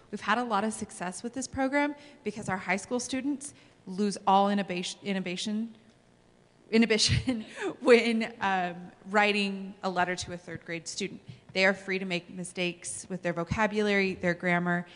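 A woman high school teacher speaking emphatically in a conference talk into a handheld mic at a podium. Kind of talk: conference presentation. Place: large school hall, at podium. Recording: long reverb of a large hall.

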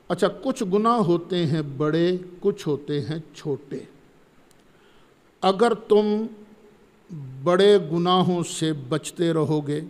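A man giving a Quran commentary lecture, reciting Arabic verses slowly and then explaining them. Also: on the high side. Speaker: Quran teacher. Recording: long hall reverb.

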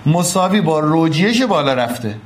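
High-voiced man teaching physics. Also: lively intonation. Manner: coaxing, affectionate, repeats key steps. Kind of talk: online class lecture.

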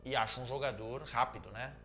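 A man in his thirties with a Brazilian Portuguese accent, a football commentator casually answering viewer messages in a joking, animated way from a small room at home. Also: medium pitch, fairly quick, a little hiss or hum. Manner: animated, joking, gestures a lot. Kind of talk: casual chat.

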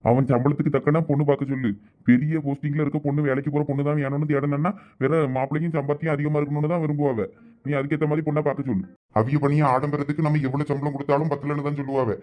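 A man playing a stern village husband in a family skit, talking briskly and firmly. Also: a little high, flat delivery, a little mellow, close to an everyday voice. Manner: brisk, scolding, firm. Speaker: husband and shop owner. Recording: dull lo-fi sound.

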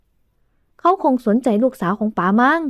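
A woman's voice: a little high, expressive, normal speed, a little mellow, no echo, studio quality, lightly acted. A woman voicing a wary, wealthy older father in an audio novel, guarded and half joking.

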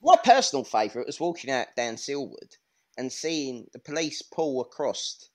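A man, co-hosting a football podcast in sweary, animated casual chat. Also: medium pitch, normal speed. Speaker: podcast co-host.

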